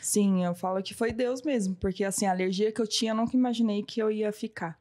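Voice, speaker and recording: A woman's voice: medium pitch, quick pace, warm tone. A woman in her thirties, a massage therapist, telling her story in a casual interview and acting out what people said to her. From Brazil. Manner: storytelling, often acting out what she and others said.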